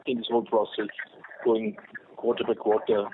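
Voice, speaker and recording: A man of average pitch talks over a phone-quality line with a little noise. He is an executive on a conference call and builds his answer in halting, measured phrases. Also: very animated, gravelly. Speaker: airline executive on an earnings call. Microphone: telephone conference line.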